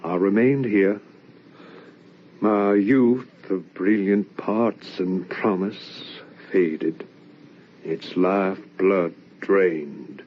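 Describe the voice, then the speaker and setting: An actor playing a grieving son telling of his haunting, in measured old radio drama style on a dull lo-fi recording. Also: low-pitched, slight background noise. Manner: somber, measured storytelling. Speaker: narrator. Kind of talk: 1940s radio acting.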